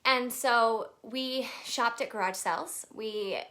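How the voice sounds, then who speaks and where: A woman's voice: a little high, slow, sharp tone. A woman in her thirties from Texas, chatting nervously on a casual live video and greeting viewers by name. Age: 30s. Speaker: livestream presenter.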